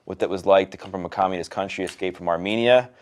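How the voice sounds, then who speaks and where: Man, podcast host, low voice, smooth and resonant, blunt casual talk. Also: quick pace. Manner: blunt, swears casually, hypes up his guest. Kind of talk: casual interview.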